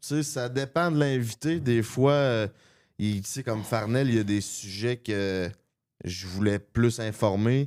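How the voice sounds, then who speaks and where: On a very clean recording with a silent background, a man speaks at a very slow pace in a medium pitch with ordinary pitch variation. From Quebec City. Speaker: podcast host, guest. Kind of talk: casual chat.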